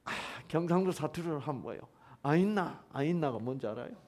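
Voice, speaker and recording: A man's voice: fairly high pitch, quick pace. A middle-aged man giving a church lecture on the Bible, questioning the audience and joking as he goes. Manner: lively, questions the audience, jokes and laughs.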